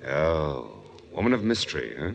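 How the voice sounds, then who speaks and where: 낮은 목소리의 능글맞은 라디오극 사내, 잡음 섞인 옛 녹음. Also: male voice, rumbling low, sing-song, normal speed, creaky, dull audio, exaggerated voice. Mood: teasing. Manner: slangy, wisecracking. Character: brash, flirtatious man on a train, secretly a crook. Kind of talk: 1940s radio drama acting. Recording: noisy old 1940s radio recording.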